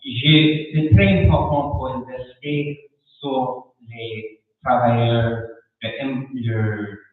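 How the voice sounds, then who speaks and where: A man with a foreign accent who is not a native French speaker answers haltingly as a candidate at a debate, searching for words. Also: medium pitch, fairly even intonation. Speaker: election candidate. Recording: echoey room, far tinny mic.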